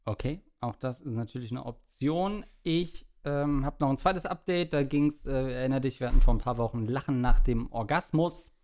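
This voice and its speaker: A man's voice: medium pitch, normal speed, few pauses, a little mellow. A man hosting a podcast who reads listener letters aloud and chats in a dry, teasing, matter-of-fact way. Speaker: podcast host reading listener mail. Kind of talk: casual chat and reading letters aloud.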